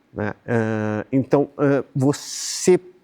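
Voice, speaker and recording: Recorded dry and close with no echo, a man talks at a medium pitch with ordinary pitch variation. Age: 60s. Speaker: stage actor. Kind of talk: interview. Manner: halting, many fillers.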